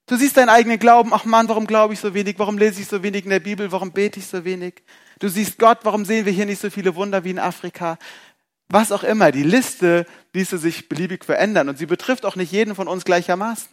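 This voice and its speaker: A man preaching a sermon in a lively, rhetorical way, asking questions and acting out people's thoughts. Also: high-pitched, quick pace.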